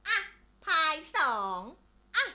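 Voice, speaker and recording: A woman voicing a frizzy-haired witch who sells pies, with a shrill, cackling, theatrical voice, in a children's storybook. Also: slow pace, pushed and bright. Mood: gleeful.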